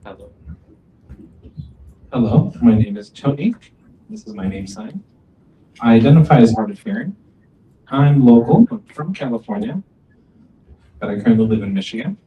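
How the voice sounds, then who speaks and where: Man, sign language interpreter, calm short phrases, roomy echo, faint hum. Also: mid-range voice, normal speed, pauses often. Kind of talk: live voice interpreting on a panel. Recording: dull, distant, echoey, faint ambient noise.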